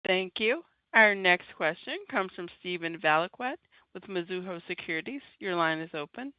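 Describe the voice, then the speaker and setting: A woman's voice: lowish voice, lively intonation, moderate pace, dry recording. A woman speaking as a conference call operator, making formulaic announcements to introduce questioners. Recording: dull, band-limited call audio.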